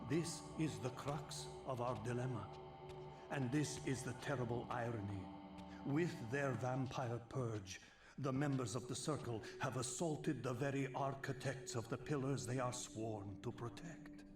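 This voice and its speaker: An actor playing an ancient, gentle vampire guardian in a video game, weary and sorrowful, with a solemn, measured delivery. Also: male voice, mid-range voice, close to an everyday voice. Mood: grave. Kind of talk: scripted video game cutscene acting. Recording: echoing game audio with music behind.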